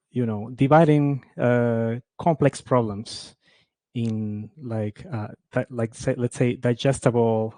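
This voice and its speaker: A man's voice: mid-range voice, mellow, no echo. A man from Ecuador giving a conference talk on game audio, speaking with many fillers and restarts.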